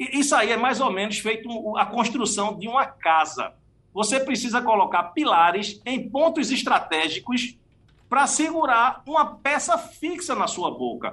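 A man's extremely high, raised, projected voice with a bright, sharp tone and lively intonation. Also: fairly slow pace. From Pernambuco, Brazil. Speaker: dentist. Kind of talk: radio interview.

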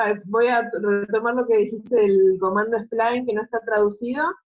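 A woman speaks at a moderate pace with lively intonation. She has an unremarkable speaking voice. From Argentina. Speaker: moderator. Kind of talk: moderated Q&A. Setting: video call.

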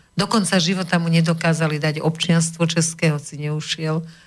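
Somewhat breathy, a woman speaks at a moderate pace with a very deep, low pitch. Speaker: former TV presenter and shaman. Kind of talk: radio interview. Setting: studio.

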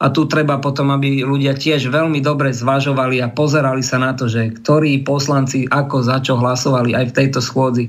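Over audible room echo, a man with a fairly high pitch speaks at a fairly quick pace in a monotone, flat way. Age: 40s. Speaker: politician. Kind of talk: radio interview.

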